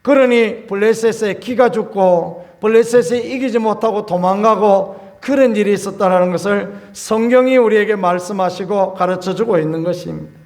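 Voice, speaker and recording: A man, a pastor, preaching a Sunday sermon in a homely, colloquial way, telling stories and acting out scenes with sudden loud bursts. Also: high voice, normal speed, hardly any pauses.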